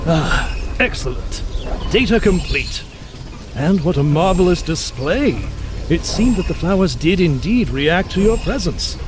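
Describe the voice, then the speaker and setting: A man's voice: high-pitched, very animated, a little slow, music in the background. A man playing an erudite, genial mutant scientist in an audio drama, speaking in a florid, pompous, theatrical manner with bookish words. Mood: delighted. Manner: florid, pompous, bookish vocabulary with emphatic delivery. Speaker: scientist guide.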